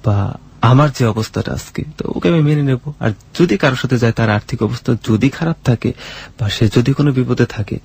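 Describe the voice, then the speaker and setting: A man with a Bangladeshi accent answering personal questions as a guest, in a plain, sincere, halting way. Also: mid-range voice, creaky, darkish tone, breathy edge. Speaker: guest telling his life story. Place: radio studio.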